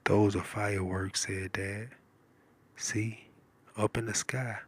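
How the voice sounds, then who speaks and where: A man reading a children's storybook aloud in a soft, partly whispered ASMR style, with lingering repeated remarks. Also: lowish voice, level tone, slow, breathy edge. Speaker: live stream story reader.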